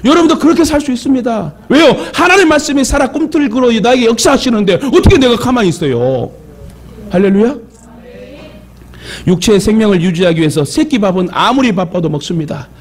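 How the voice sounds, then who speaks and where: Speaking a little fast in a very high, expressive voice, a male pastor from Jeolla, Korea, delivers a sermon in the church sanctuary. His Jeolla accent comes through as he jokes and asks for amens.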